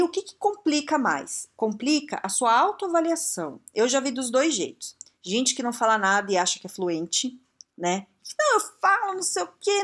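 A woman from Brazil giving frank, blunt career advice straight to the viewer, full of rhetorical questions. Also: on the high side. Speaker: career and English-learning advice speaker. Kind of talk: casual direct-to-viewer advice talk.

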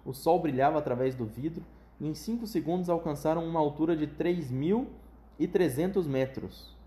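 A man reads a children's storybook aloud in a mellow, slightly high voice. He pauses now and then to chat patiently with the listener. The room is roomy and echoing. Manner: patient, conversational asides. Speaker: parent reading aloud. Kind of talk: reading a children's book aloud.

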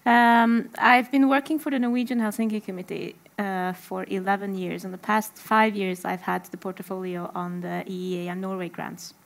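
Female activist on a panel, gravelly vocal fry, mid pitch. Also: little pitch movement, normal speed, few pauses. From Romania. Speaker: human rights activist, panel guest. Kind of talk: unscripted self-introduction at a panel.

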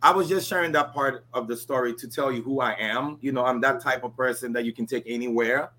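Bright-voiced man in his forties, from Ghana. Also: medium pitch, a little fast. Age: 40s. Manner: chatty, frequent "you know" and "right?". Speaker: interview guest. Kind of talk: casual storytelling interview.

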